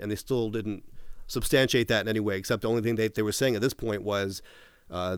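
A man with a fairly low, smooth, resonant voice talks casually as an interview guest. He recounts events in detail and often restarts his sentences. His voice is recorded dry, with no room sound. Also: no room sound. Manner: detailed retelling with frequent restarts, quoting others. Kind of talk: casual conversational storytelling.

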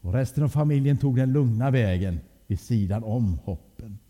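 Husky dark-voiced guy telling a story, lots of hall echo. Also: medium pitch. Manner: lively, animated. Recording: long hall reverb.

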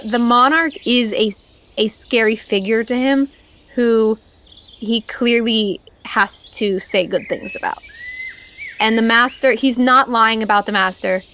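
A woman game master narrates and explains the rules, her voice sitting somewhat high. She thinks aloud, pausing and filling gaps as she goes. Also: a bit bright. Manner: thinking aloud, with frequent fillers.

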